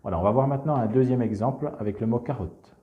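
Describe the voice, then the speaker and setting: A man calmly walking teachers through a classroom exercise, explaining step by step with frequent verbal fillers. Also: mid-range voice, fast talker, phone-quality sound. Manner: calm explanatory, frequent "donc" and "hein". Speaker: teacher presenting a reading method. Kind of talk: instructional screencast walkthrough.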